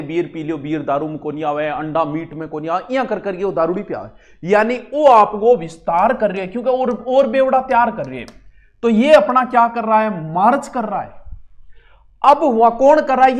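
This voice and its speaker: Rajasthani male teacher, exam coaching, chatty and lively, mixes in local dialect. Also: high-pitched. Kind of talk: exam-prep geography lesson.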